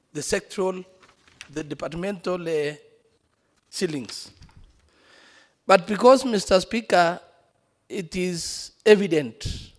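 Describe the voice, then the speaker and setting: Kenyan male legislator with a slightly high voice, formal debate delivery, reverberant assembly hall. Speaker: county assembly member. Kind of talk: parliamentary debate. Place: large assembly chamber. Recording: echoey hall with long reverb.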